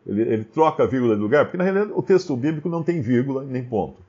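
A Brazilian Portuguese-accented man explains Scripture in a lively, swinging voice. He fires off rhetorical questions and keeps restarting his sentences. His tone is mellow, and the recording sounds a bit dull and lo-fi. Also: medium pitch, racing. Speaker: Bible commentator. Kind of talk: Bible study commentary.

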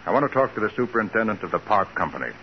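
An actor playing a dogged, authoritative private detective in a brisk, insistent 1940s radio crime drama style. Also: male voice, on the low side, very animated. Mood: determined, polite. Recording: muffled, noisy 1940s radio recording.

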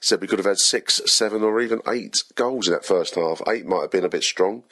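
A hoarse man, hosting a football podcast in a chatty, rambling, self-deprecating solo match review. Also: deep voice, a little fast, sharp tone, dry recording.

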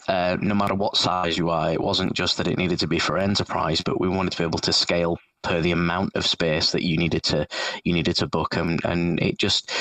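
A man's voice: low-pitched, a bit bright, dry recording. A man with a Yorkshire accent, talking about his company's product in a business interview over a call, with lots of restarts and fillers. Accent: Yorkshire English. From northern England. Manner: enthusiastic, many restarts and fillers. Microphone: call audio.

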